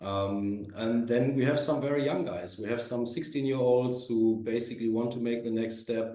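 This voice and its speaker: A man with a German accent at medium pitch, with audible room echo. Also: fairly even intonation, moderate pace. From Germany, Dortmund. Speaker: soccer coach. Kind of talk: interview.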